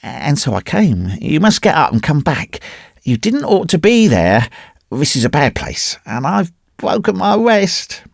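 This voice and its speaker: A man's voice: a little high, big pitch swings, a little slow, vocal fry, no echo, studio quality, pitched above the performer's own voice, full character voice. A man voicing a brave, imperious six-year-old boy in a storybook reading, earnest and solemn. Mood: plaintive. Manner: commanding, childishly solemn.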